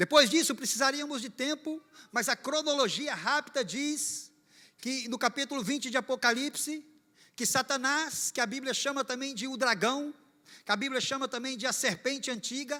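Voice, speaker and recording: A raised, projected voice with a bright, sharp tone and ordinary pitch variation. The recording is very clean, with a silent background. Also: man, extremely high pitch for a man, moderate pace. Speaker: pastor. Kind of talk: sermon.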